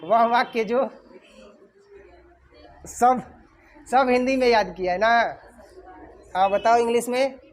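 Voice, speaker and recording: A man's voice: very high voice, steady tone, slow, long pauses. A male teacher teaching English grammar in a classroom, calling on students and dictating sentences word by word. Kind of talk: classroom lesson. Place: classroom with a whiteboard.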